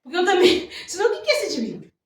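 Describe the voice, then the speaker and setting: Brazilian woman pastor, high voice, animated testimony with loud praise, distant mic in a very echoey hall. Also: fast talker. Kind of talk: testimony preaching.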